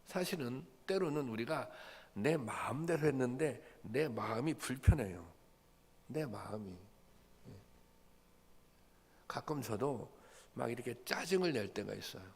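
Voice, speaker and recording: A man's voice: medium pitch, animated, unhurried, long pauses, darkish tone, husky. A man preaching a sermon at a dawn prayer service, earnest and repetitive, building to emphatic peaks. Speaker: pastor. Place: church sanctuary. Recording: long hall reverb.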